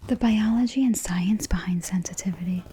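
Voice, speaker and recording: A woman speaking in a hushed, breathy whisper, soft-spoken ASMR style, gently and deliberately reassuring the listener. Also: medium pitch, slight background noise.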